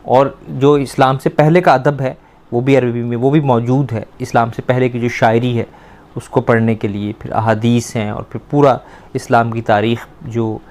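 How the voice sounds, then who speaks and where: A male teacher with a medium-pitched voice leads a classroom language lesson. He explains patiently, step by step, and slowly repeats words for a student to pick up. He often stops to ask the student questions. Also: darkish tone.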